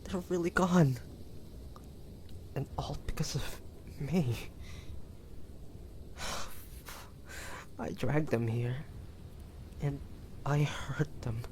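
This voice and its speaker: A man playing a tender, devoted hunter turned immortal in an intimate audio roleplay, speaking haltingly and emotionally to a lover. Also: mid-range voice, a little mellow, slight background noise. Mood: grieving, guilty. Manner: halting, emotional, breathy sighs and whispers.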